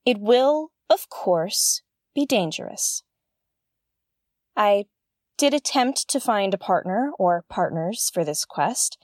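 A woman's voice: mid-range voice, lively intonation, slow, a little mellow, no echo, clean studio sound. A woman playing an earnest, intense investigator who hosts a conspiracy podcast in an audio drama. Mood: determined. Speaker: podcast host. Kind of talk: scripted audio drama narration.

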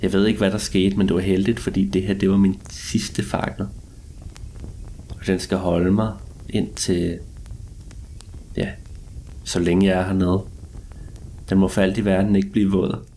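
A man playing a brooding, awestruck cave explorer long alone underground, musing haltingly in an eerie first-person story. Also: low-pitched, level tone, mellow. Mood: reflective, wondering.

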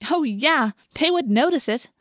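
A woman reader acts out a headstrong teenage girl from a storybook. She is feisty and emphatic, with a raised, high voice and a snappy way of putting things, recorded very dry. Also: brisk, no room sound, natural voice. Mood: fired up.

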